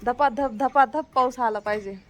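A mother records a casual vlog on her phone from a house rooftop in the rain, speaking at normal speed with a fairly high pitch. She exclaims along the way and scolds her son in a teasing manner.

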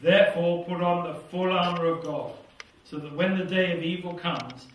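High-pitched and moderately paced, this older British man keeps a fairly even intonation while preaching earnestly and reading scripture in a small church hall. He grows fervent, then drops to a hush at phrase ends. The lapel mic leaves him sounding somewhat remote in an echoey room, with a touch of hiss or hum.

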